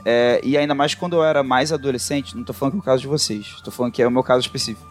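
A man with a Brazilian accent in casual, reflective podcast chat, talking informally and slangily in halting, rambling bursts. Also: mid-range voice, fairly even intonation, soft background music. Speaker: podcast co-host.

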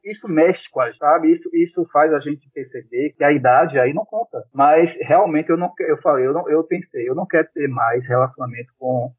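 A man's voice: on the high side, darkish tone, breathy edge, low-quality recording. A man, talking reflectively on a podcast and often repeating words as he thinks. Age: 50s. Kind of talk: casual chat.

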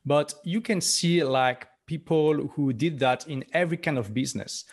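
A man's voice: fairly high pitch, normal speed. A French man, an entrepreneur and author, speaking English as a guest in a podcast interview, earnest, often restarting words with "uh" and "you know". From France. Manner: earnest, repeats words when starting sentences, fillers "uh", "you know".

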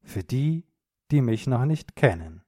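Lively, slow-speaking German man. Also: mid-range voice, slightly rough, no echo, clean studio sound. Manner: upbeat, lively and encouraging. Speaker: podcast host and language teacher. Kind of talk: slow, clear podcast talk for learners.

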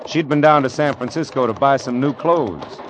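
An actor playing a wry, determined gold seeker who narrates and acts in an old radio Western. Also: male voice, mid-range voice, moderate pace, slight background noise, lightly acted. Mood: easygoing, curious. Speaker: narrator and lead character. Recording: dull old radio recording with music.

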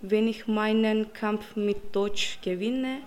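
Slow, careful young Turkish woman. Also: mid-range voice, steady tone, a little mellow, a little hiss or hum. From Turkey. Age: young adult. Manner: careful, deliberate learner speech. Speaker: language learner.

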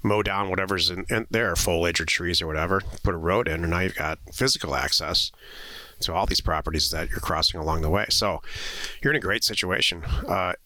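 A man's voice: low voice, brisk, sharp tone, no echo. An American man co-hosting a land investment show, explaining things in a casual, blunt, informal way. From western United States. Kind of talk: casual podcast talk and explanation.

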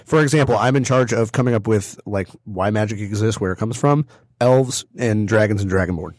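A man's voice: lowish voice, fairly quick, darkish tone, no room sound. A man co-hosting a podcast in a studio, talking in a laid-back, chummy way. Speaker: podcast co-host. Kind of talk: casual chat.

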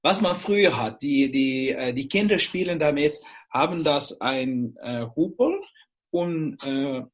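A man with a Dutch accent works his way through German slowly, pausing with fillers and slipping into English when a word escapes him. His voice is slightly breathy and unhurried. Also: on the high side, lively intonation. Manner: halting German mixed with English, searching for words. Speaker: guest. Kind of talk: casual conversation.

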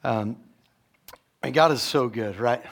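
A man preaching a sermon as associate pastor, slightly raspy from a sore throat, talking conversationally with frequent "right?" asides and restarts. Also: medium pitch, slow pace. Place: church sanctuary.

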